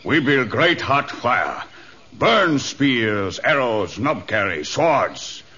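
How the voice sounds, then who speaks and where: An actor playing a fierce, scheming tribal chief, declaiming in emphatic broken English in a radio adventure drama. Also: male voice, medium pitch, very animated, drawn-out words, bright, forceful tone, breathy edge, heavily acted. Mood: sly, placating. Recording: dull lo-fi old radio recording.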